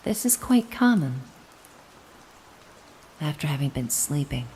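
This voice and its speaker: A woman playing a gentle, doting, mysterious caretaker in a soothing hypnosis roleplay, coaxing and reassuring the listener. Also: low voice, sing-song, a little slow, slight background noise. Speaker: hypnosis audio performer.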